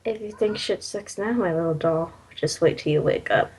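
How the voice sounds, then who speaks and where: A woman voicing a menacing male guard who taunts his captive in a hushed manner in a story. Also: fairly low pitch, normal speed, slightly rough, poor audio. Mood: quiet menace.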